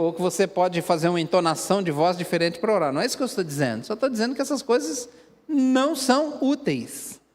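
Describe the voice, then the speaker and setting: A man with a Brazilian Portuguese accent preaching a sermon as a pastor, earnest and conversational, putting direct questions to the congregation. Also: very high-pitched. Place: church sanctuary. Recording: long hall reverb in a church.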